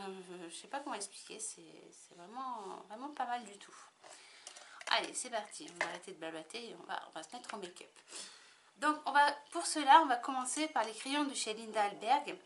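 A woman's voice: on the high side, moderate pace, a bit bright, a little hiss or hum. A woman chatting casually to the camera in a makeup tutorial, rambling with lots of fillers and restarts. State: tickly throat. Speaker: makeup vlogger.

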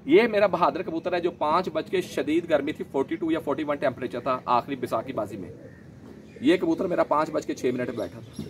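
A man, gently explaining his pigeon keeping in a casual vlog, a little hoarse from a sore throat. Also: fairly high pitch, brisk, slight background noise. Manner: chatty, gentle, explains while handling birds. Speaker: pigeon keeper vlogger. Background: pigeons cooing.

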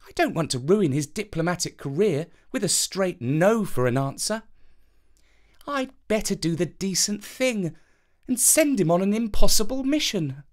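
A woman's voice: medium pitch, expressive, normal speed, darkish tone, voice pushed up, natural voice. A woman voicing a cool, haughty young fairytale princess with prim, polite manners. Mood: privately reluctant.

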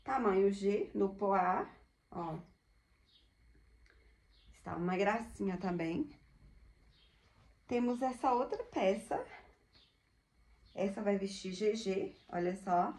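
Woman in her thirties, upbeat thrift seller, unhurried talk, roomy home recording. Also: medium pitch, darkish tone. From Brazil. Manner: chatty, upbeat, many diminutives and "olha só" asides. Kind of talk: casual product showcase. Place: small home room indoors. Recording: echoey room.

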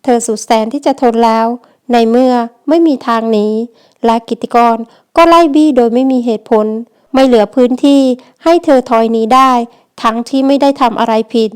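A woman narrating a romance audiobook in a measured, dramatic storytelling manner. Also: fairly high pitch, a little mellow, clear, resonant tone. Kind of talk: scripted novel narration.

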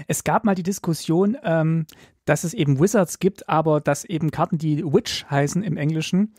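A man's voice: on the high side, a little mellow, no room sound, studio quality. A man co-hosting a casual podcast chat, explaining fluently with some fillers. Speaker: podcast co-host.

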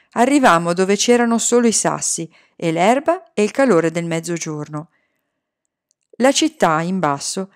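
A woman reading a novel aloud in a calm, measured storytelling voice. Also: mid-range voice. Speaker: audiobook reader.

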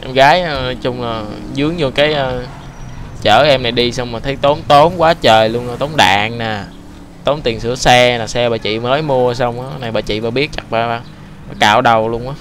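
Một người đàn ông Việt Nam bình luận khi chơi game, nói bông đùa, hay lặp từ liên tục khi phấn khích. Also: male voice, mid-range voice, slight background noise. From Vietnam. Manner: excitable, repeats words rapidly, joking. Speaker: gaming YouTuber. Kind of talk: casual gameplay commentary.

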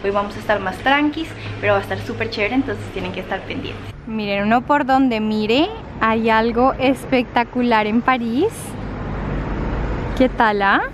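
A woman's voice: on the high side, normal speed, noisy background. A woman with a Colombian accent, chatting upbeat to camera in a travel vlog and laughing often. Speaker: vlogger.

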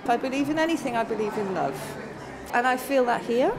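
Woman, heartfelt, gentle, slightly high, crowd hum behind. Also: expressive, a little fast. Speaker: churchgoer, mother. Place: church hall.

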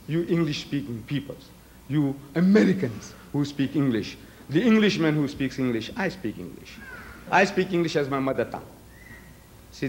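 A man's voice: on the high side, slight background noise. An older man whose first language is Gujarati, arguing emphatically at a podium in a large hall, firing rhetorical questions at the audience. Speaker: debater. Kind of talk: public debate speech. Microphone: podium microphones.

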